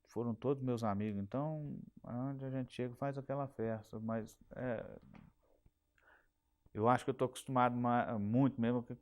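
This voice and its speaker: A man's voice: mid-range voice, steady tone, normal speed, clean tone. A middle-aged man with a Minas Gerais Brazilian accent, recalling his working life in an oral history interview, often repeating and restarting words. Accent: Brazilian Portuguese, Minas Gerais. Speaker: interviewee, telephone company technician.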